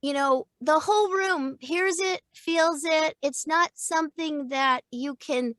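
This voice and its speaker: Lively, chatty middle-aged woman. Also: high voice, takes it slowly, no room sound. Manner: lively, chatty, laughs easily. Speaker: voice actor and acting coach. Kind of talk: casual interview chat.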